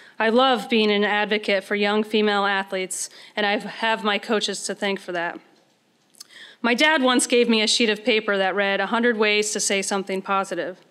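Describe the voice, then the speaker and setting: A woman with an American accent speaks at a moderate pace in a bright, sharp tone. Her intonation stays fairly even against a quiet background. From Connecticut. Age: 30s. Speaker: college soccer coach, hall of fame inductee; soccer coach. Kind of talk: prepared acceptance speech. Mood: heartfelt, grateful, emotional. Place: hall. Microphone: podium.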